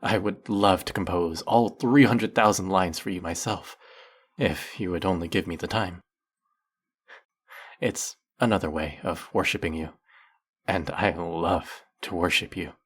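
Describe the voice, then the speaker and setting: A man's voice: low-pitched, unhurried, slightly rough. A man playing a devoted, flirty demon familiar in a fantasy audio drama, grandiose and reverent in manner. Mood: eager, flirty. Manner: grandiose, theatrical, reverent, obsequious.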